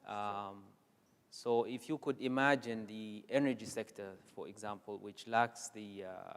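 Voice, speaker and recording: Measured man on a hall panel. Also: fairly low pitch, fairly even intonation, clear, resonant tone. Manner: measured, hesitant with fillers. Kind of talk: panel discussion. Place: conference hall stage. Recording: echoey conference hall.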